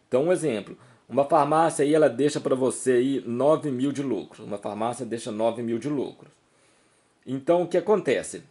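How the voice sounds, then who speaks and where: A man with a Brazilian accent and a medium-pitched voice talks as the host of an advice video. He explains informally through examples, repeating key points with emphasis and often checking in with short tags. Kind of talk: informal instructional talk to camera, explaining with examples.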